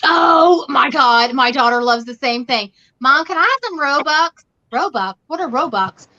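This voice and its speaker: A middle-aged woman hosting a casual livestream chat from her bedroom, with a loud voice and a rambling manner full of anecdotes. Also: high-pitched, a little slow. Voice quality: loud, animated storytelling voice. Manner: rambling, tells anecdotes with quoted dialogue. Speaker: livestream host. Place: bedroom at home. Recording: dull lo-fi livestream audio.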